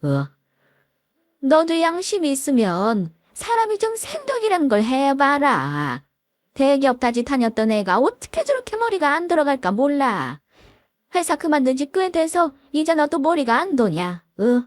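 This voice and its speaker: A woman's voice: high-pitched, big pitch swings, unhurried, no room sound, clean studio sound, pitched above the performer's own voice. A woman voicing a scornful middle-aged mother-in-law who mocks and scolds sarcastically. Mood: sneering.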